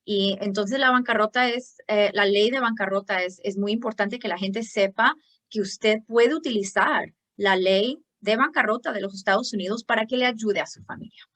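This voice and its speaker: Woman guest from chicago, chatty, hesitant, restarts often, mid pitch. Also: normal speed, a bit bright. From Chicago, United States. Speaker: bankruptcy lawyer, guest. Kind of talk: conversational interview answers.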